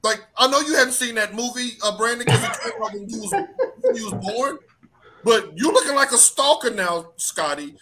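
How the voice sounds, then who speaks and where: A man hosting a casual sports talk show, animated and joking, sometimes dropping his voice low for comic effect. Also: moderate pace, poor audio. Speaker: host.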